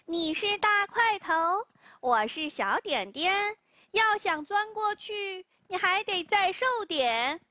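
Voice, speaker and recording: A cheeky, fearless little boy in a storybook tale, voiced by a woman, teasing in a sing-song way. His voice is very high and lively, and the sound is dry. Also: measured pace, no echo, heavily acted. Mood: playful.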